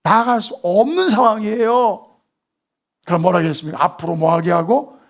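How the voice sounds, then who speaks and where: A man preaching a sermon to a congregation, quizzing them call-and-response style and swinging from loud emphatic lines to hushed whispers. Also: sits high, normal speed. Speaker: pastor.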